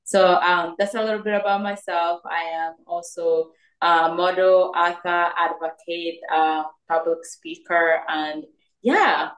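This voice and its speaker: A young woman from Congo, raised in Uganda, answering interview questions earnestly with many pauses and fillers. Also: on the low side, fairly even intonation, a bit bright. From Democratic Republic of Congo, raised in Uganda. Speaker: guest, nonprofit founder. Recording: roomy echo.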